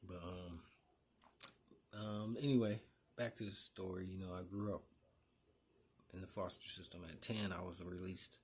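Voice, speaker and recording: Detroit man, low husky voice, laid-back vlogger who rambles with lots of ums. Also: a little slow, pauses often. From Detroit, Michigan. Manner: relaxed, rambling, many fillers and restarts. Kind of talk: casual introductory vlog.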